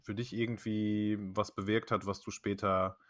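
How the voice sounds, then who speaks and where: A man from Germany co-hosting a podcast, with a fairly low voice recorded dry and close. He speaks in a halting, hesitant way, feeling his way through each question. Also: level tone, no room sound. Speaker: podcast co-host. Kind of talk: casual interview chat.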